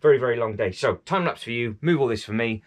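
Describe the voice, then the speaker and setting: A man's voice: mid-range voice, expressive, fast. A man chatting casually while painting and tidying his hobby room, repeating himself and joking at his own expense. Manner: chatty, self-deprecating, lots of fillers and repeats. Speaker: vlogger. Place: indoor hobby room at home.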